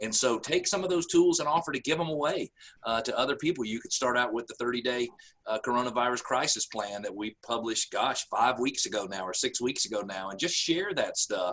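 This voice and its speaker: A man with a Southern US accent speaks at a medium pitch with lively intonation. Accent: Southern drawl. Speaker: real estate coach. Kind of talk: webinar discussion.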